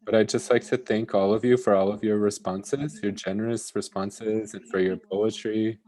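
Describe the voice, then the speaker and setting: An interpreter rendering a panel discussion into English live, in halting phrases with pauses. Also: medium pitch, steady tone, warm tone.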